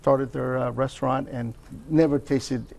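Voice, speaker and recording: Gravelly man recommending brunch spots. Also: mid-range voice, steady tone, measured pace, darkish tone. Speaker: show panelist. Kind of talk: restaurant review chat.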